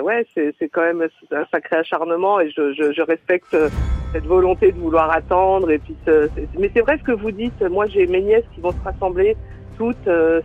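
A woman calling in to a radio show, heard over a dull, muffled phone line. She sounds amused and hesitant, and she pads her sentences with fillers and restarts. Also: on the low side. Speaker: caller.

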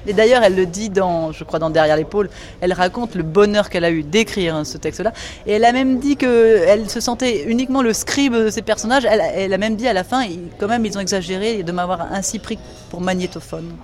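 A middle-aged woman novelist talks with enthusiasm in a radio documentary interview, her voice at a mid pitch. She often restarts and stumbles over words as she builds each thought. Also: fast talker, a little mellow. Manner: enthusiastic, with many restarts and repetitions. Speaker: novelist guest.

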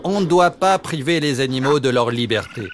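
A man's voice: medium pitch, expressive, normal speed, a little hiss or hum, natural voice. A man voicing a repentant circus clown in a children's story who speaks earnestly, with music behind.

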